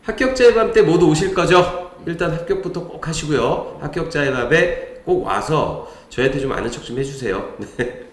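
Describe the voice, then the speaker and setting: A man with a lively, swinging voice chats his way through viewer comments as a stream host. His talk is loose and friendly, full of small fillers. The sound carries a noticeable room echo. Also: on the high side, normal speed, hardly any pauses. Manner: lively, chatty, frequent laughs and fillers. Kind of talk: live-stream chat. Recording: echoey room.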